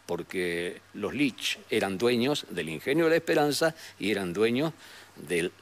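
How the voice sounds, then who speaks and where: An older man with a northwestern Argentine accent, telling memories as an interview guest in a rambling, halting way with frequent tag questions. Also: fairly low pitch, expressive. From San Salvador de Jujuy, Argentina. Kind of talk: reminiscing in a conversational interview. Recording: noticeable background noise.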